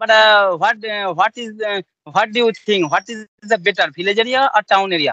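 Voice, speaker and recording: Over a quiet background with a dry sound and no echo, a man with an Indian accent talks at a moderate pace in a high voice with ordinary pitch variation. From West Bengal, India. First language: Bengali. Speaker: hospital attendant and English-practice channel host. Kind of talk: casual English practice conversation. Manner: halting. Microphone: video call.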